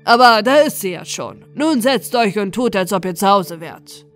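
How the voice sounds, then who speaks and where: A woman playing a loud, hearty robber captain. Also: medium pitch, animated, moderate pace, faint music behind, close to an everyday voice. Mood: jovial, commanding. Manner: loud, jovial, commanding exclamations. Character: hearty boisterous male robber captain, commanding host. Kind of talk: storybook character voice in an audiobook.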